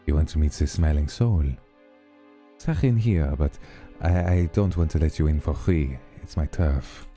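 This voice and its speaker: A man's voice: rumbling low, a little slow, mellow, soft background music. A man voicing a courteous male doorman in a put-on French accent, speaking formally and politely. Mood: coy. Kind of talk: reading game dialogue aloud.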